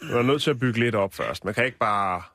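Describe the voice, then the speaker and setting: A male radio co-host with a slightly husky voice, making dry, teasing remarks in loose studio banter. He talks straight into a close mic, and the sound is dry and free of room echo. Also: mid-range voice, a bit bright. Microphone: studio microphone.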